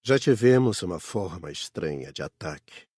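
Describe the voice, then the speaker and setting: A man's voice: low-pitched, animated, normal speed, warm tone, breathy edge, dry recording. Here is a man acting a steadfast spirit worker in an audiobook. The intonation swings widely while staying assured, like someone recounting past events. The recording is very dry. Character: adult male spirit worker defending the book fair, steadfast. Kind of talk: scripted audiobook dialogue.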